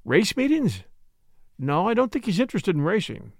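A man's voice: sits high, huge pitch swings, moderate pace, vocal fry, no echo, clean studio sound, exaggerated voice. A man voicing a brusque, matter-of-fact colonel and chief constable with clipped delivery, in a storybook reading.

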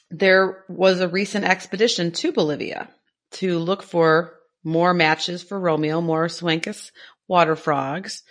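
A woman hosting a podcast interview, asking questions in a friendly way and encouraging her guest. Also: fairly low pitch. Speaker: podcast host.

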